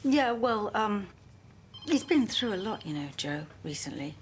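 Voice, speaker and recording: Lively-pitched, tactful woman. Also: measured pace, slight background noise. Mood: teasing, tactful. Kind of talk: naturalistic TV drama acting.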